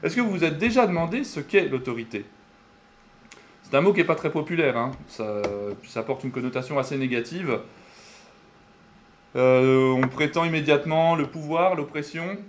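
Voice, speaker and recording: A man's voice: a little high, moderate pace, a little hiss or hum. A man giving a sermon and reading scripture aloud, speaking hesitantly with many fillers and asking his listeners questions. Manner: asks the audience questions. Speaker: preacher.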